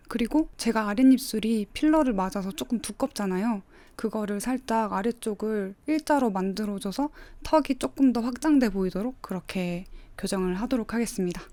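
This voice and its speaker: A woman's voice: mid-range voice, mellow. A woman beauty vlogger giving a casual make-up tutorial in a polite, explanatory, step-by-step manner.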